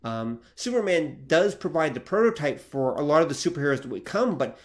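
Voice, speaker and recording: A male podcast co-host talks casually and thoughtfully about comic history, explaining at length with plenty of fillers. His voice is a little high and sing-song, and he speaks a little fast.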